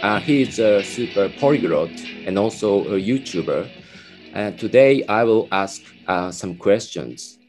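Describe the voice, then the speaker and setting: Low-voiced man hosting an interview. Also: animated, a little mellow, soft background music. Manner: slow, simple phrasing, frequent backchannels. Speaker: interview host. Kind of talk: casual interview.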